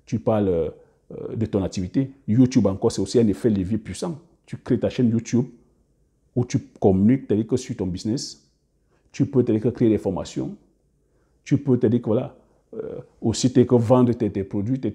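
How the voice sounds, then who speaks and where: A man giving business advice to camera in a casual monologue, hesitant, with many fillers and restarts, often trailing off quietly at the ends of phrases. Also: on the low side. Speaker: business coach YouTuber.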